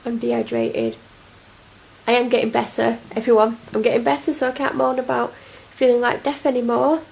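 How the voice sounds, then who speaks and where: Young woman, a home vlogger with a cold. Chatty and rambling. Slightly high, gravelly voice, faint background hiss. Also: lively intonation, brisk, darkish tone, poor audio. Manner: rambling, self-deprecating, chatty. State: congested, snotty from a cold. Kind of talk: casual chatty vlog to camera. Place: at home, indoors. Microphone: camera mic.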